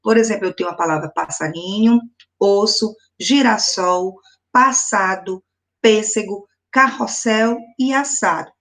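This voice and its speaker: A woman's voice: medium pitch, unhurried, fairly bright tone. A Brazilian woman teacher giving a recorded lesson to young children, patiently breaking words into syllables. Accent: Brazilian Portuguese. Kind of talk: recorded classroom video lesson.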